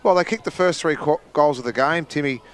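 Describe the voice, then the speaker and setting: Chatty Australian footy expert, clear voice. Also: male voice, fairly high pitch, brisk. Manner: chatty, self-deprecating, laughs off slips. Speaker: expert commentator. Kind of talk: casual football analysis and score reading. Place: outdoor football ground.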